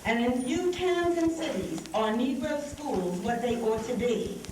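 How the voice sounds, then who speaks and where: A woman's voice: sits high, animated, unhurried. A woman giving a public speech and reading out a quotation in a declamatory way. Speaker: speaker at a college lecture event. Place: large room at a live event. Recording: echoey hall, distant mic, noisy.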